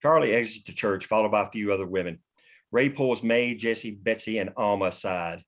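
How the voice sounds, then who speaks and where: A man serves as narrator at a table read. He reads scene headings and action lines as scripted narration, in a lowish voice. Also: normal speed. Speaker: narrator reading stage directions.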